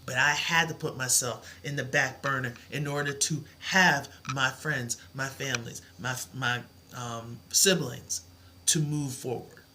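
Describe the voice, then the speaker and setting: A woman's voice: rumbling low, fairly even intonation, unhurried, pushed and bright, a little hiss or hum. A middle-aged woman teaching a live math lesson, with a soothing voice and an encouraging, reassuring way of talking. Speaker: math tutor.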